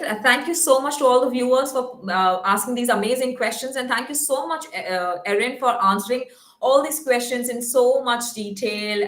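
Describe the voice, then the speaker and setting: A woman's voice: a little high, fairly bright tone. A woman hosting an online talk show, reading out viewer questions with many hesitant fillers. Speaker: show host. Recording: roomy echo.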